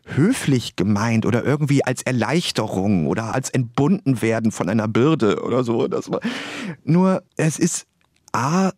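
A man's voice: medium pitch, expressive, moderate pace, a little mellow, dry recording. Man w/ a stutter, lots of repeats, talking it through in a dead dry room. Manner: stutters, repeats words and restarts. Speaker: interview guest, writer. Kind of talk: reflective conversational interview.

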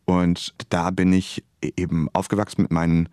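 Stuttering man, low dry voice. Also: level tone, normal speed, darkish tone, no echo. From Bremerhaven, Germany. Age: 40s. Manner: stuttering, reflective. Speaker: author and journalist guest. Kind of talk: radio interview.

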